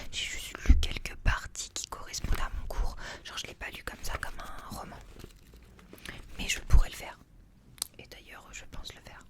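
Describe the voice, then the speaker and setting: A young adult woman chats informally about books in a soft library whisper, ASMR style, rambling with youthful slang. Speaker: ASMR book vlogger. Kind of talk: ASMR book haul chat.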